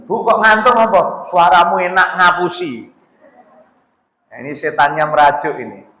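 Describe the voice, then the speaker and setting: A male Islamic preacher, giving a casual, animated sermon to a women's study group. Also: high voice, moderate pace. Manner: casual preaching, mixing Javanese words, animated. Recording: echoey hall reverb.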